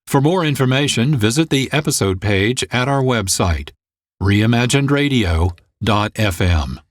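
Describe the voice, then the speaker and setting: A man hosting a radio show, announcing from a script in a brisk, lightly playful way. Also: mid-range voice, animated.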